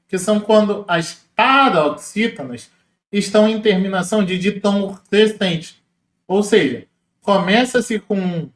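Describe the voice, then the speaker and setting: Echoey male teacher explaining exam answers. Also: sits high. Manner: casual, explanatory, spells out syllables slowly. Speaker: Portuguese teacher. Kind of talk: exam question walkthrough.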